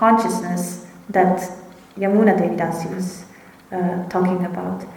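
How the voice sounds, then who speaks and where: A woman with a non-native accent at a fairly slow pace, fairly even intonation, audible room echo and noticeable background noise. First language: not English. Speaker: spiritual speaker. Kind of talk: lecture. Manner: halting.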